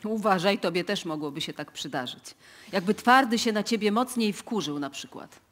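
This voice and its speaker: An actress playing a pragmatic, pressured female police chief in a radio drama, firm and measured. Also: mid-range voice, lively intonation, lightly acted. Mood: wary. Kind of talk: live radio drama acting.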